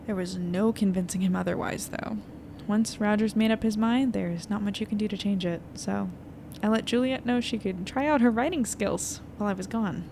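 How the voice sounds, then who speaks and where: A woman playing an anxious, weary young newspaper editor in an audio drama, confiding and hesitant as she thinks out loud. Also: medium pitch, normal speed, vocal fry, hardly any pauses, close to an everyday voice. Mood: uneasy, doubtful. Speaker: lead narrator of an audio fiction podcast. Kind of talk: intimate naturalistic audio drama monologue. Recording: noisy airplane cabin ambience.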